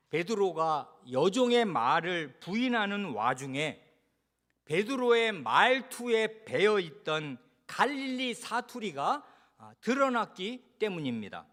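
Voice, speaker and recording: A man preaching an expository sermon as pastor at a church service, expressive, asking the congregation questions and acting out what people said. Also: high-pitched. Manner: expressive, acts out quoted voices and asks the congregation questions.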